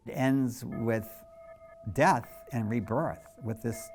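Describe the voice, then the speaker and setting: Gravelly middle-aged man telling his story. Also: mid-range voice, very slow, darkish tone, faint music behind. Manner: candid, storytelling, reflective. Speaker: photographer. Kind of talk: documentary interview narration.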